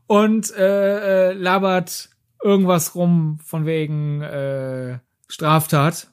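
A podcast co-host of medium pitch in a casual film discussion, talking in a rambling, analytical way. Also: little pitch movement, extremely slow, clean tone. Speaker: podcast co-host reviewing films.

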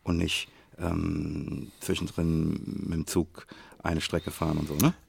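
A man co-hosting a podcast in casual chat, thinking aloud in a deliberate way. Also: extremely low pitch, monotone, creaky, breathy edge. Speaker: podcast co-host.

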